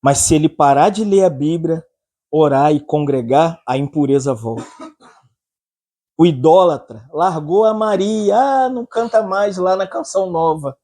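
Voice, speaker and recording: A man's voice: on the high side, expressive, a little slow, dark tone. A man with a Brazilian accent preaching a humorous sermon, joking, laughing often and acting out anecdotes.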